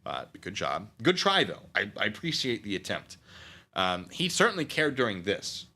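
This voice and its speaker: A man's voice: on the low side, huge pitch swings, normal speed, pushed and bright. A man live streaming, rambling casually with mock-petty sarcasm while reading chat.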